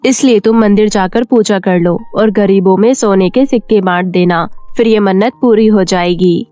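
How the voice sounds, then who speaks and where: A woman's voice: mid-range voice, normal speed, dark tone, dry recording, faint music behind, natural voice. A woman voicing a queen, a concerned mother who admonishes in an exasperated way, in a cartoon story. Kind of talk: cartoon moral-story character voice.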